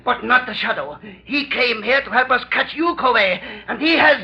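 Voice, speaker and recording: A man's voice: very high voice, lively intonation, normal speed. An actor playing a treacherous, cowardly male ex-convict in a 1930s radio drama, with a sneering and pleading delivery. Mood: frantic, shouting. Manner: sneering, then pleading and frantic. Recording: dull lo-fi 1930s radio broadcast.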